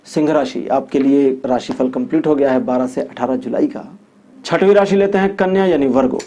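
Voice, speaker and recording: A man's voice: mid-range voice, fairly quick, dark tone. A man giving a weekly tarot horoscope reading, explaining each point with repetition and homely examples. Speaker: tarot reader.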